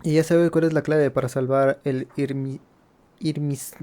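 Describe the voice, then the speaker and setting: A man's voice: a little high, little pitch movement, normal speed, dark tone. A man hosting a video game playthrough with casual commentary, reacting to the dialogue as it goes. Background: game music.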